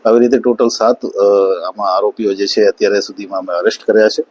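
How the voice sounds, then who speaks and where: A man giving a formal police statement, measured and hesitant between phrases. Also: fairly low pitch, steady tone, a little mellow, husky. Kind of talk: official press statement.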